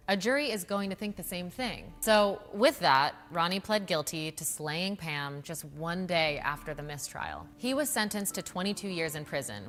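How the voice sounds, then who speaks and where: Background music accompanies a true crime show host as she narrates her scripted documentary in a chatty style punctuated by emphatic asides. The woman's lowish, fairly bright voice rings with a large-room sound.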